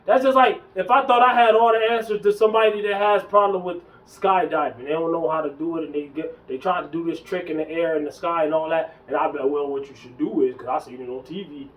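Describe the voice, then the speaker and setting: A man in his early forties rants in a fairly high voice, slangy and preachy, often circling back to hammer the same point. He sounds set back from the mic, a little distant in the recording. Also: steady tone, quick pace, few pauses, muffled recording. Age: 40s. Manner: emphatic, preachy, slangy, repeats himself. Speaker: fitness vlogger. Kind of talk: casual ranting monologue.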